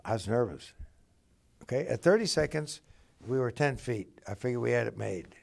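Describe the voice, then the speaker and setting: A man's voice: medium pitch, expressive, normal speed, creaky, darkish tone. An older man, a former astronaut, recalling events in an interview. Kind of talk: documentary interview recollection.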